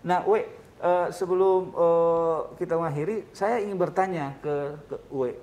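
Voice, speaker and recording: A man's voice: on the high side, fairly even intonation, measured pace, a little mellow. A man hosting an interview show, chatty and casual, with frequent short agreeing replies.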